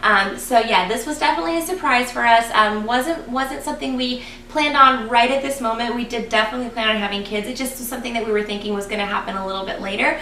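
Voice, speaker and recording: A woman vlogging casually to her viewers, chatty and excited, a little raspy and congested from a cold. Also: fairly high pitch, fast, few pauses, far from the mic, a little hiss or hum. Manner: chatty, excited, lots of ums. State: congested, getting over a cold. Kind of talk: casual vlog talking to viewers. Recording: echoey room, voice a bit off-mic.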